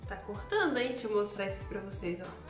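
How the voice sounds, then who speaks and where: A woman's voice: medium pitch, expressive, fast, reverberant, over music. A Brazilian woman with a Brazilian Portuguese accent, casually chatting and joking with viewers while testing kitchen gadgets at home. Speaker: YouTuber testing products. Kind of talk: casual product-testing chat to camera.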